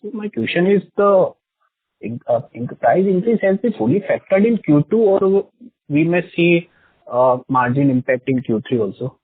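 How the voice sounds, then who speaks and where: Husky analyst on a dry phone line. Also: male voice, a little high, lively intonation, moderate pace, no room sound. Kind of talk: earnings call questions. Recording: dry phone-line conference call audio.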